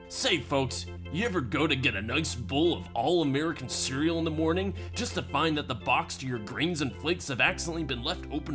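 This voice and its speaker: An actor playing a hammy old-time radio announcer, pitching like a folksy, enthusiastic salesman. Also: natural voice. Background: music.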